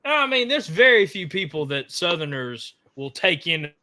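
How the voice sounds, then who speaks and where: A man from Mississippi talks with a Southern accent in a casual podcast chat. His voice sits a bit high and sounds bright and forceful. He rambles with fiery energy and stumbles over repeated words. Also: big pitch swings, normal speed. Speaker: podcast co-host.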